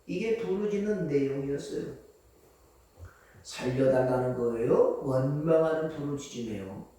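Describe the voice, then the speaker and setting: A man's voice: medium pitch, animated, normal speed, warm tone. A man preaching a sermon as pastor, emphatic and firing rhetorical questions at the congregation. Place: church sanctuary. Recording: very echoey church hall, from far off.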